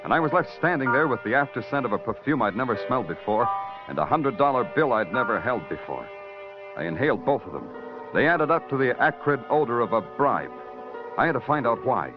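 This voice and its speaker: A man's voice: medium pitch, very animated, a little fast, close to an everyday voice. A man as a hard-boiled noir detective. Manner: dry wisecracking, terse noir narration. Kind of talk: 1950s radio noir narration. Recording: dull old radio recording with music.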